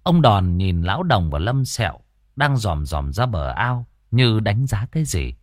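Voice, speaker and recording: Expressive male ghost storyteller. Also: on the low side, unhurried, no room sound, clean studio sound. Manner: lively, expressive reading.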